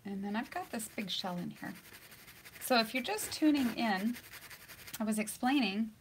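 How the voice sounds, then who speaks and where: A woman's voice: fairly high pitch, expressive, moderate pace, a little hiss or hum. Chatty woman painting instructor. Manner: chatty, laughs often, drops to soft near-whispers while working. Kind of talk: live painting demonstration. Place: painting studio surrounded by lights and cameras.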